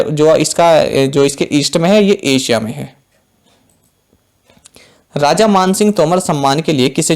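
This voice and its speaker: Guy doing a current affairs exam lesson, kinda high voice, explains stuff simple. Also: darkish tone. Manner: explains terms plainly, addresses viewers as friends.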